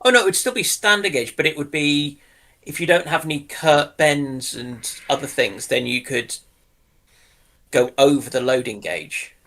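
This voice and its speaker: Bloke chatting on a panel, bright voice, bit hesitant, thinking out loud. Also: male voice, a little high, normal speed. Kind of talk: casual speculative discussion.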